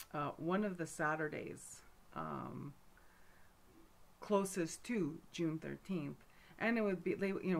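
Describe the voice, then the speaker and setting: A middle-aged woman from Montreal giving a casual talk to camera as a folk magic teacher, rambling with many fillers and asides. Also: low voice. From Montreal, Canada.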